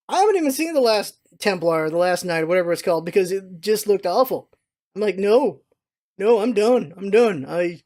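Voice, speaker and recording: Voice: medium pitch, a little mellow. A vlog host talking casually and off the cuff, with an informal, opinionated and emphatic manner. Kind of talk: casual rambling solo vlog commentary.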